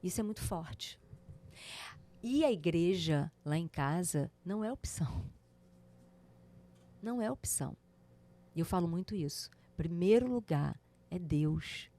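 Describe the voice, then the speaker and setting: A woman's voice: lowish voice, expressive, measured pace, pauses often, dark tone. A woman co-hosting a podcast, speaking emphatically and repeating her key points. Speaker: podcast co-host. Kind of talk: casual podcast chat.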